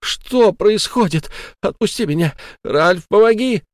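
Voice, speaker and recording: A man voicing a terrified, pregnant young woman who begs for mercy in high, sobbing pleas. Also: animated, moderate pace, darkish tone, no room sound, clean studio sound. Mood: pleading.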